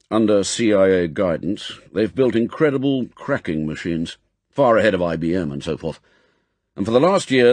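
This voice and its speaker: Audiobook role: elderly male spymaster, done by a male reader, gruff, brusque, impatient, with a husky edge. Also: fairly low pitch, a little mellow, no echo. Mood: brisk, businesslike. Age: older. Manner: brusque, authoritative, clipped commands. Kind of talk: audiobook character acting.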